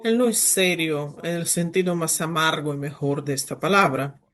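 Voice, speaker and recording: A man giving a literature lecture over a video call, explaining in a measured way with occasional halting restarts. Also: fairly high pitch, a bit bright. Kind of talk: academic lecture.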